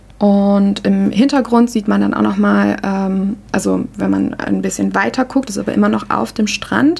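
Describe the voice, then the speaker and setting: The speech moves at a fairly slow pace with hardly any pauses, over noticeable background noise. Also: woman. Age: 30s. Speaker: podcast host, new presenter of a picture-description show. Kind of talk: descriptive narration of a picture.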